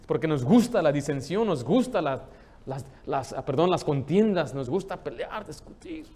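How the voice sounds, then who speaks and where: A man, preaching a lively sermon in a church and telling stories with humor. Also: a little high, moderate pace. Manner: lively storytelling, joking with the congregation. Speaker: pastor.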